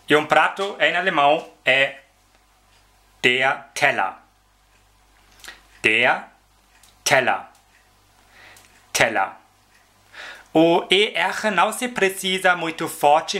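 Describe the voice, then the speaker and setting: A man teaching vocabulary in a slow, repetitive lesson, carefully pronouncing each word several times. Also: on the high side, pushed and bright. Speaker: German language teacher.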